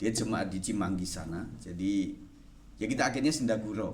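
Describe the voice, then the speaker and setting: A man speaks with a Javanese accent at a moderate pace. His intonation is lively, and the room echo is audible. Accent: Javanese accent in every language. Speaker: pastor. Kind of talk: sermon.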